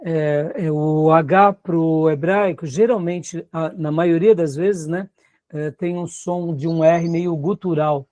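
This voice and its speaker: This pastor, who has a Brazilian Portuguese accent, speaks slowly in a steady, darkish voice on the high side, captured in a dry, lo-fi recording. His seminary Bible lecture is conversational, with frequent check-ins with the class.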